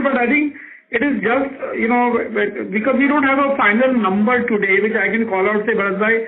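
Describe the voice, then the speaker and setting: A man with a high voice and an Indian accent speaks over a narrow phone connection. He answers as a company executive, conversational and repetitive, choosing his words as he goes. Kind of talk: spontaneous answers on an earnings call. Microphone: phone conference call. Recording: narrow, tinny phone line.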